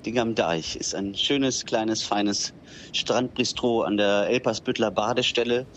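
A bistro owner in his thirties, born in Berlin-Spandau and raised in Dithmarschen in northern Germany, is a guest in a casual interview. He speaks in a fairly low voice, a bit slowly, relaxed and often filling pauses with "genau" and "ähm." The recording has a little hiss or hum.

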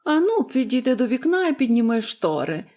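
A sullen, fretful bedridden woman of forty, speaking dryly and dragging her words out slowly, as a woman reads her part. She is from a storybook. Her complaints come out peevish and tired. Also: fairly high pitch, expressive, darkish tone, voice pushed up. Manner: fretful, sullen, slow and dry.

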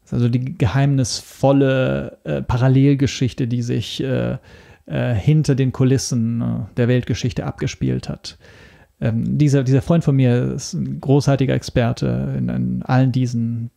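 A man speaks casually as a guest in an interview. His voice is mid-pitched, mellow and a little gravelly, and he moves hesitantly, searching for words between pauses. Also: level tone. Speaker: podcast guest, radio drama maker.

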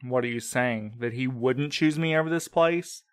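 A man's voice: medium pitch, normal speed, no room sound, clean studio sound, lightly acted. A man playing a grieving young courier who is bitter and accusing, with clipped lines.

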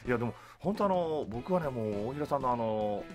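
A man's voice: medium pitch, expressive, brisk, darkish tone, faint music behind. A man hosting an upbeat radio talk show from a studio. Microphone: studio boom microphone.

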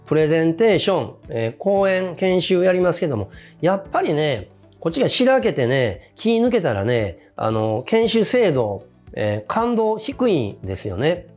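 A man with a Kansai accent, an educator and former junior high teacher, giving a morning motivational talk with emphatic repetition. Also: moderate pace, soft background music. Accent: Kansai Japanese. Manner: animated, emphatic, repeats key phrases.

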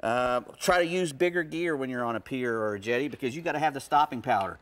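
Middle-aged man, folksy rambling talk, average pitch, tv studio chat. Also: fast talker, fairly bright tone. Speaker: fishing guest expert. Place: TV studio set.

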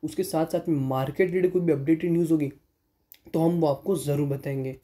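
Dark-voiced man reading stock figures. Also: a little high, steady tone, fast. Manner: mixes English terms into Hindi, reads figures aloud with self-corrections. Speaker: stock market channel host. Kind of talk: voice-over stock analysis.

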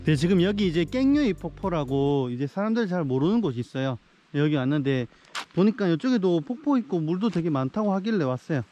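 A young man chatting casually to a camera held at arm's length as he vlogs outdoors by a river and a jungle waterfall, upbeat and quick to get excited. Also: fairly high pitch. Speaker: travel vlogger. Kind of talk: casual travel vlog.

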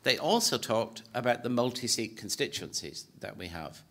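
A man in his sixties with an Irish accent, giving a formal lecture at a podium in a conference hall, measured and hesitant with many fillers. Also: mid-range voice, lively intonation, fairly bright tone. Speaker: political science professor giving a presentation. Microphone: podium microphone.

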